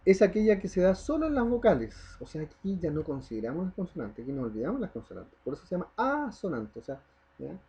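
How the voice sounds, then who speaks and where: A man's voice: high-pitched, wildly swooping pitch, fast, warm tone, slightly rough. A man teaching a primary school class, explaining step by step, stressing the example words and often checking in with the children. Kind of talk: recorded online class lesson.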